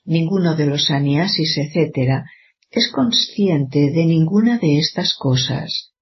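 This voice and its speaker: A speaker giving a formal, scripted reading of a spiritual discourse in a measured, even way, addressing the listeners as children. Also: mid-range voice, dull audio.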